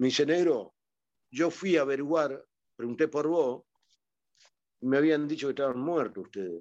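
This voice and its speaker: With a Rioplatense accent, a man speaks at a moderate pace and fairly high pitch, with ordinary pitch variation. Long, frequent pauses break his speech against a quiet background. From Argentina, Buenos Aires south zone (Isla Maciel, Avellaneda). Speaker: war veteran. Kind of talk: testimony. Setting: video call.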